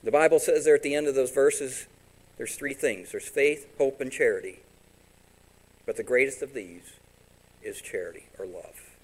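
A man preaching a sermon as pastor, animated and direct, sometimes voicing imagined congregants. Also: mid-range voice, moderate pace, long pauses, breathy edge, low-quality recording.

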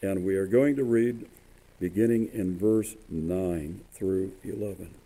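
A man preaching a sermon in a church, his voice rough, often halting with fillers and restarts. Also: low-pitched, warm tone. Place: church sanctuary.

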